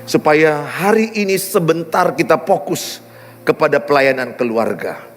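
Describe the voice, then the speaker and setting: A man's voice: fairly high pitch, unhurried, long reverb tail, soft background music. A middle-aged man preaching a sermon, telling stories with humor. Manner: animated, humorous storytelling. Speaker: pastor. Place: large church hall.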